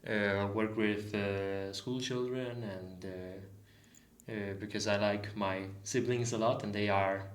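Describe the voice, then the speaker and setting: Low-voiced young man, echoey. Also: steady tone, takes it slowly. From Denmark. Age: 20s. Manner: rambling with "uh" and "like", restarts. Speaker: volunteer guest. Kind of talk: casual podcast chat. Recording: echoey room.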